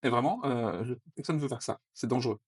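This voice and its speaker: A man's voice: mid-range voice, husky. A man co-hosting a casual board game review chat, joking and teasing his co-host. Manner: joking, teasing, fast-talking.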